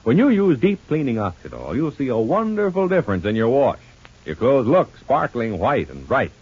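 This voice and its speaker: A man's voice: wildly swooping pitch, moderate pace, darkish tone, husky. Man announcing on an old radio show. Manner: emphatic sales pitch. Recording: muffled old radio transcription with music.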